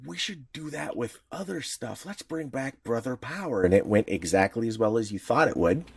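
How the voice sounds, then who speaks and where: A man's voice: mid-range voice, animated, moderate pace, gravelly, breathy edge. A man co-hosting a podcast in casual chat, talking loosely with restarts and the odd swear word. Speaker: podcast co-host.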